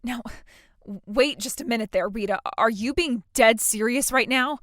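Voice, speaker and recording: Woman as entitled bride, whiny and self-pitying, high, dry sound. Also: normal speed, a bit bright, no room sound, lightly acted. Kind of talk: scripted drama dialogue.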